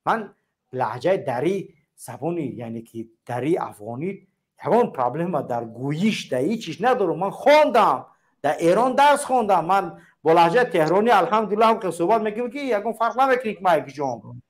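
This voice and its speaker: A man with a Tajik accent hosts a political call-in show. His voice sits fairly high, and he delivers it like a sermon, stacking parallel phrases one after another. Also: big pitch swings. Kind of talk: preachy political call-in talk.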